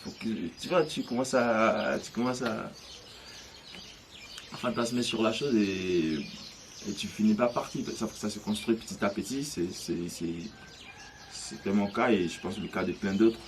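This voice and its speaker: Halting man in his thirties. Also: on the low side, background noise. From Côte d'Ivoire. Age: 30s. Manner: hesitant, halting, many restarts. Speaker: interviewee. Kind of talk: personal testimony.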